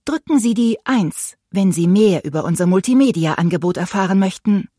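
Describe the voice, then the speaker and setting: A woman's voice: mid-range voice, expressive, mellow, breathy edge, no room sound, clean studio sound. A woman doing a relentlessly friendly phone robot. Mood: politely robotic. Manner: polite, measured, unflappable.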